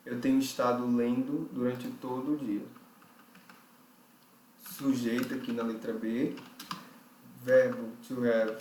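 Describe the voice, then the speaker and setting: A male teacher walks through grammar exercises step by step, pausing on fillers and checking that students follow. His voice sits at an ordinary pitch and rings a little in an echoey room. Faint typing can be heard behind him. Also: darkish tone, a little hiss or hum. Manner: explains step by step, with frequent fillers and checks like "certo?". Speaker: English teacher. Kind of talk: recorded online lesson.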